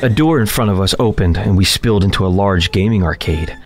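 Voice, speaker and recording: A man's voice: sits low, a little fast. An actor playing an uneasy man trapped in a deadly game, narrating a horror audio drama in a tense, dramatic way. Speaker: narrator and lead character. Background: loud music.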